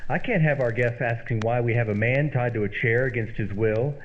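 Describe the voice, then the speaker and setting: A man's voice: medium pitch, a little fast, natural voice. A man playing a fussy, anxious, socially ambitious party host in an old-time radio comedy, bossy and eager to impress. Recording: muffled, very noisy old radio sound.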